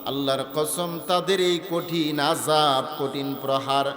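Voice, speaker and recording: A man's voice: a little high, fairly even intonation, takes it slowly, a bit bright. A man preaching in a sung tune voices a steadfast, pleading man who stays faithful while being beaten. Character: devoted enslaved man, pleading, steadfast under beating. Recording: echoey outdoor PA, long reverb, faint music.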